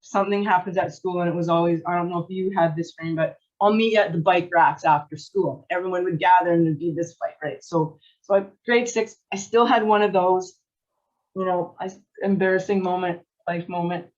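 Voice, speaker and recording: A middle-aged woman from Canada, a coach and former athlete, telling her story in a lively, chatty way with frequent laughs and restarts. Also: on the low side, fairly quick, lo-fi sound. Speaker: guest, sport psychology coach. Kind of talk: casual interview storytelling.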